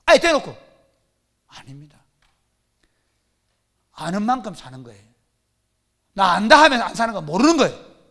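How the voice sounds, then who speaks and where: Man, pastor, sermon, emphatic, rhetorical questions, high pitch, bright forceful tone. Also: very animated, normal speed, gravelly, long pauses. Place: church service.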